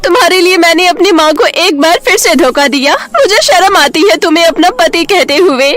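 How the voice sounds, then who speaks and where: A woman's voice: very high-pitched, animated, normal speed, fairly bright tone, pitched above the performer's own voice. A woman voicing a betrayed young wife in a storybook tale, emotional, wounded and defiant. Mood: hurt, indignant. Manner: emotional, indignant.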